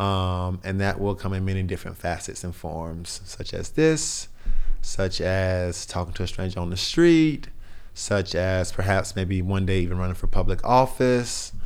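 A man with a Southern US accent, a very deep, low pitch, ordinary pitch variation and a moderate pace. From US South. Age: 30s. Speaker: PhD student and university equity administrator. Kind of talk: interview conversation. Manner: many filler words and repetitions.

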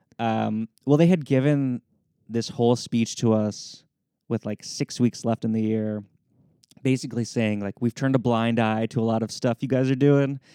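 A man with an American accent speaks at a medium pitch and a moderate pace. His tone is dark and mellow, and the sound is dry and close with no echo. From New York City. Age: 30s. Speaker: podcast guest in recovery. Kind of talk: casual interview chat.

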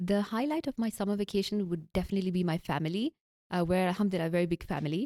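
A woman's very fast, medium-pitched speech in a dark, mellow tone, with ordinary pitch variation and very even loudness, dry and close with no echo on a very clean recording against a silent background. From Sri Lanka. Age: 20s. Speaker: medical intern and author. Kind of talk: interview.

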